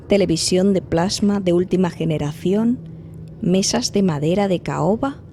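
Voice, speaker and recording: Actress as mellow-voiced female investigator. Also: fairly low pitch, slight background noise. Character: female investigator, observant, thoughtful, narrating her adventure. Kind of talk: audio drama dialogue and first-person narration.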